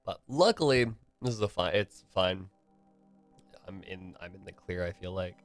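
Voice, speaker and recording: A young man with a fairly low voice talks loosely to his stream, slightly stuffy and nasal from a lingering cold. He rambles and restarts his sentences, his voice still a little tired from the morning. Faint music plays behind him. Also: lively intonation, normal speed. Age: young adult. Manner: rambling, filler-heavy, restarts often. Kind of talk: casual solo chat to a live stream.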